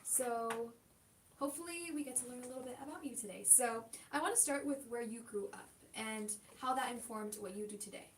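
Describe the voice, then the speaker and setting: A woman's voice: a little high, a little fast. A woman interviewing a guest, encouraging him with frequent short murmurs of agreement. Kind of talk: casual interview. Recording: roomy, distant from the mic, faint noise.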